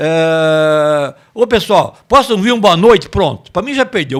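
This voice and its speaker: A man's fairly high voice with a rural São Paulo accent and very wide pitch swings, in a very clean recording against a silent background. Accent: São Paulo countryside (caipira). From interior of São Paulo state, Brazil (Itapeva). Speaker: professional speaker. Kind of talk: interview.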